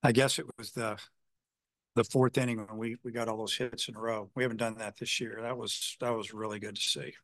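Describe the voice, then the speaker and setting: A man's voice: fairly low pitch, level tone, a little fast, a bit bright, dry recording. A male baseball head coach answering reporters after a game, rambling with lots of "you know" fillers and restarts. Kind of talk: postgame press conference answers.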